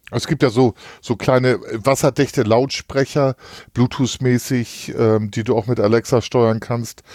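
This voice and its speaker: A man's normal speaking voice at a medium pitch, fairly slow and fairly even, in a dry, close sound with no echo. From northern Germany. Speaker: podcast co-host. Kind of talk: casual chat.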